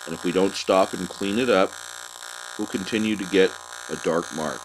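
A man giving a calm, methodical voice-over as a welding instructor, walking through settings and technique step by step. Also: low voice, moderate pace, background noise.

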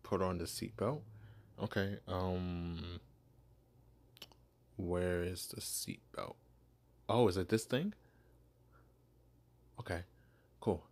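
A man's voice: deep voice, slow pace, pauses often, darkish tone, exaggerated voice. A man voicing a shy, clueless young male vampire posing as human in an ASMR roleplay, stammering and apologizing. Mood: awed curious.

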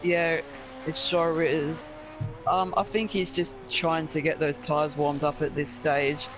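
Flat-voiced male race co-commentator. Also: on the high side, slow, over music, low-quality recording. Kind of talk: sim racing stream commentary.

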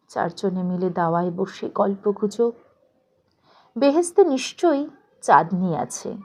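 A woman reads a literary story aloud in an expressive, deliberate storytelling manner. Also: mid-range voice. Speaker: audiobook narrator. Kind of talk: scripted literary story narration.

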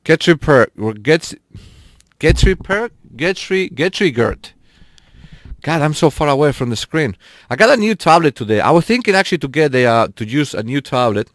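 A man's voice: on the high side, sing-song, moderate pace, a bit bright, no room sound, clean studio sound. A man live streaming a racing game, chatting casually with his viewers and laughing often. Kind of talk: casual live-stream chat while gaming.

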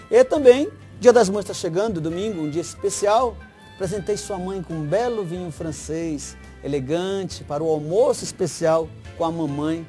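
Emphatic man pitching wine on TV. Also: mellow. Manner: didactic, salesy, emphatic. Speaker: sommelier guest. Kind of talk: TV wine talk and promotion. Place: TV studio set. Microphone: lapel mic.

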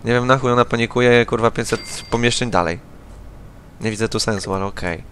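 A man's voice: mid-range voice, brisk, background noise. A young man with a Polish accent giving sarcastic, profane let's-play commentary as he plays a game. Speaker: gaming YouTuber.

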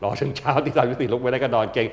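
Fast-talking man in his sixties. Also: medium pitch, fairly even intonation. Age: 60s. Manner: chatty and talkative, bursts of laughter. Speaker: interview guest, acting school owner. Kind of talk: candid casual interview.

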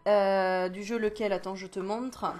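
A chatty woman, a medium, giving a casual oracle card reading straight to the viewer, laughing often and reading the card messages aloud slowly. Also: mid-range voice, steady tone, background noise.

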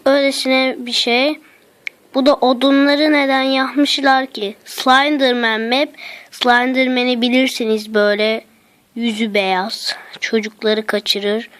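A slightly bright, high-sitting female voice belongs to a gaming channel host. She explores a game map during a let's play, exclaiming, muttering to herself, and slipping into slang.

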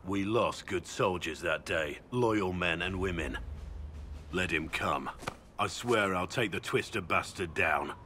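An actor playing a grim, loyal middle-aged warrior in a fantasy game, solemn and intense. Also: male voice, deep voice, slow, bright, forceful tone, a little hiss or hum, full character voice. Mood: grim, vengeful. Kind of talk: fantasy video game acting.

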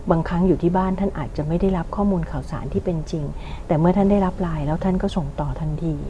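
A woman hosting a panel discussion, long-winded and pausing to search for words. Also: lowish voice. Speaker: talk show host. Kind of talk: studio panel discussion, interviewing guests. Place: television studio. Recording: muffled sound with clear background noise.

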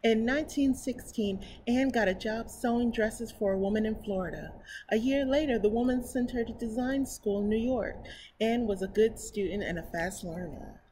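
A middle-aged American woman with a slightly high voice reads a picture book at moderate pace for library storytime, enthusiastic and exclaiming, dropping in chatty asides. She's indoors beside a painted mural. The low-quality recording has clear, steady background noise.

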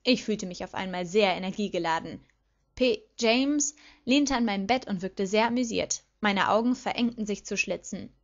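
A woman reads a fan fiction audiobook aloud in a lively first-person storytelling manner. Her voice sits in an ordinary middle pitch. The recording is a little dull and lo-fi. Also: normal speed. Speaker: audiobook reader.

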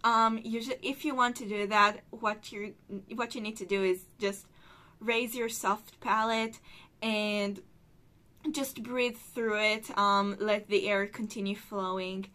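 With a song faintly audible behind her, a woman reviewer reacts casually and explains singing technique like a voice coach, leaning on filler words. She speaks slowly in a steady, medium-pitched, pushed and bright voice.

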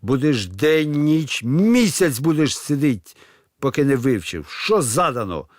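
A man's voice: mid-range voice, big pitch swings, unhurried, no room sound, clean studio sound, voice pushed up. A man playing a hot-tempered middle-aged farmer father who roars at his family. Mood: raging. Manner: roaring, furious.

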